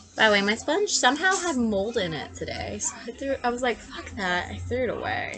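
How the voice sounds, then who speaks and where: Over music in the background, a woman with a slight Southern US accent talks at a fairly quick pace with hardly any pauses. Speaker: beauty YouTuber. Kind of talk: chatty get-ready-with-me vlog. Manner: casual, filler-heavy.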